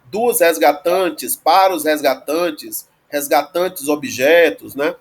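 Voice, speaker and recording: Male teacher, slightly higher voice, patient explanatory delivery, slows down to spell out word endings. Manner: explanatory, frequent "né?" tag questions, slow spelled-out word forms. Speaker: Greek teacher. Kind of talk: online grammar lesson.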